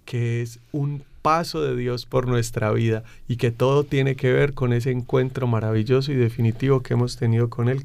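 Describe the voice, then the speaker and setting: A man hosting a Catholic program, preaching with slow, emphatic build-ups and asking "right?" again and again. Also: mid-range voice, gravelly, a little mellow, clear, resonant tone. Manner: emphatic, slow build-ups, frequent rhetorical "¿cierto?" tags. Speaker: Catholic radio program host. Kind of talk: preaching explanation of faith.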